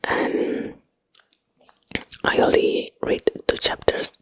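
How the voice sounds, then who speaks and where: A woman with a Spanish accent and native Spanish rambles casually in a breathy ASMR whisper, hesitantly searching for English words, close to the microphone. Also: extremely slow. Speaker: ASMR video host.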